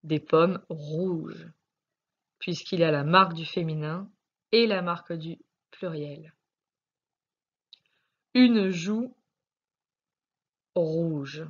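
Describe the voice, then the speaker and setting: Woman, French accent, primary teacher, slow unhurried delivery, patient, syllable-by-syllable, dull lo-fi sound. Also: low-pitched, husky. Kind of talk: recorded spelling lesson correction.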